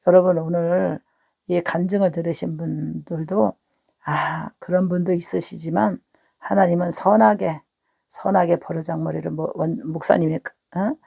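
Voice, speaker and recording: Woman pastor with a cold, gravelly husky voice, low and mellow, dry close sound, earnest testimony. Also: no room sound. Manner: earnest, repeats words, talks to listeners directly. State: hoarse from a cold. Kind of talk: spoken testimony to online viewers.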